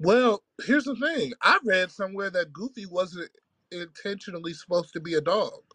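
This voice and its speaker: Here a man projects a raised voice with a high pitch, lively intonation and a bright, sharp tone. He talks at a fairly quick pace, and the sound is dry and close with no echo. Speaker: podcast host. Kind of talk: casual banter podcast chat.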